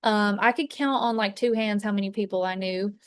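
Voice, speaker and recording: A woman's voice: medium pitch, steady tone, fairly quick, clear, resonant tone, no echo, studio quality. A woman, chatting casually as a fragrance consultant, rambling with lots of fillers and restarts. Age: 30s. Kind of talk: casual chat. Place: inside an RV.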